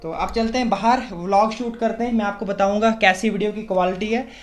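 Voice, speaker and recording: A man's voice: high-pitched, fairly even intonation, a little fast, faint music behind. A young man, chatting step by step as he demonstrates gear at a desk. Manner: chatty, explains step by step, mixes English words. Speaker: moto vlogger. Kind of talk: casual tutorial demonstration. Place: small room at a desk.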